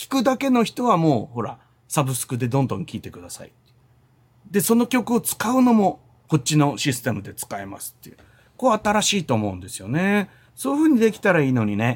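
A fairly high-pitched man at a fairly quick pace, with very wide pitch swings and big jumps in loudness, on a very clean recording with a silent background. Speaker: live streamer. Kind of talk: casual live-stream chat reading viewer comments. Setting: live stream. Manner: animated, laughing often.

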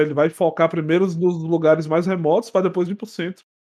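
A man's dark, mellow tone at a very fast pace. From Brasília, Brazil. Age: 30s. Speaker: podcast co-host and editor. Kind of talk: casual chat.

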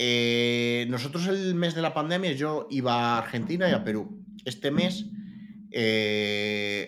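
Speaking very slowly with very wide pitch swings, a man is heard against audible room echo. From Galicia, Spain (Lugo). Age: young. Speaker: co-founder of a hosting company. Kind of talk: interview conversation. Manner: casual, conversational.

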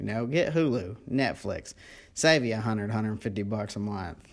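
A man talks at a moderate pace with ordinary pitch variation in an ordinary speaking voice. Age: 30s. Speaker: podcast host, father. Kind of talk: casual monologue. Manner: casual, filler-heavy.

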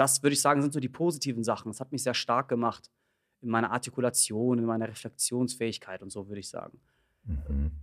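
A man's medium-pitched voice at a very fast pace, with ordinary pitch variation, big swings in loudness and a dry, close sound with no echo. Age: 30s. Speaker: entrepreneur. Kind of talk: interview.

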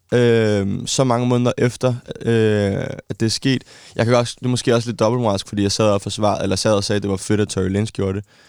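Speaking at a fairly quick pace, a man uses a fairly low pitch and monotone, flat intonation. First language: not Danish (speaking Danish). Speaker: podcast co-host. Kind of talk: casual chat.

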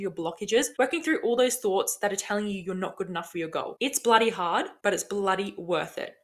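Someone talks at a very fast pace in an Australian accent. Noticeable background noise runs behind the voice. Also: woman. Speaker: podcast host. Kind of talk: pep talk, motivational solo monologue. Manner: animated, high-energy, emphatic, hyped-up, punchy; fast, chatty, swears casually, repeats words for emphasis.

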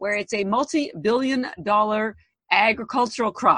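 A woman has a normal speaking voice with fairly high pitch. Her pitch variation is ordinary and her pace moderate. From Canada. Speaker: algae company founder. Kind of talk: interview.

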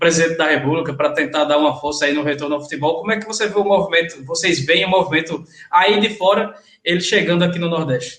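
A man with a high pitch, ordinary pitch variation and a very fast pace. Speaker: podcast co-host, football commentator. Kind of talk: casual chat, live-streamed podcast. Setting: video call / live stream.

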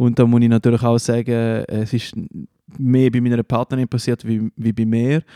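A man's medium-pitched voice, dark and mellow, flat and monotone in intonation, with a dry, close sound and no echo. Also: moderate pace, very even loudness. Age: 30s. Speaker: podcast co-host, musician. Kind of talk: casual chat.

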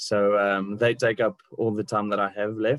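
Over a quiet background, a man talks at a moderate pace in a fairly low voice, the sound dry and close with no echo. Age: 30s. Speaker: sports scientist and strength coach. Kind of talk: interview. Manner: halting, many fillers.

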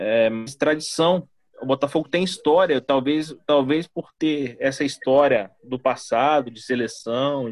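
Recorded with a dry, close sound and no echo, a man with a fairly high pitch speaks in an unremarkable speaking voice with ordinary pitch variation. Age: 40s. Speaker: football fan. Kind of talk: casual chat.

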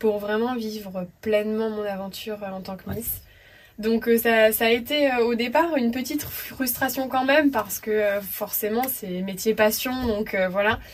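Using a normal speaking voice, a woman talks fairly slowly at a fairly high pitch, with ordinary pitch variation and big swings in loudness. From France, Corrèze (Limousin). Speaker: beauty pageant contestant. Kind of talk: casual interview.

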